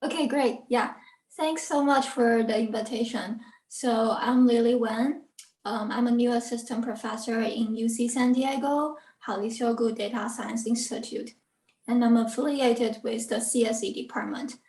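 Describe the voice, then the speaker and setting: A woman's voice: on the high side, fairly even intonation, moderate pace, a little mellow. Woman, from a distance. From Taiwan. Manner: earnest, with frequent ums and self-corrections. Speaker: guest lecturer, assistant professor. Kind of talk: academic talk on a video call. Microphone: video call computer mic. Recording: roomy, distant from the mic.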